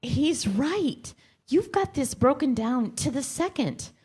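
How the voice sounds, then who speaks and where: An actress performs a skeptical woman in a staged comedy. Her voice is a little high and highly animated. She is sardonic and questioning, a reluctant partner. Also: slow pace. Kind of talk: staged comedy screenplay reading. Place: live staged reading in a church.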